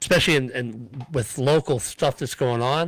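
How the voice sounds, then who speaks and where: A man talks at a fairly slow pace in a fairly high pitch with ordinary pitch variation. He has an ordinary speaking voice. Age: 60s. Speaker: stand-up comedian and truck driver. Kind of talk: casual chat.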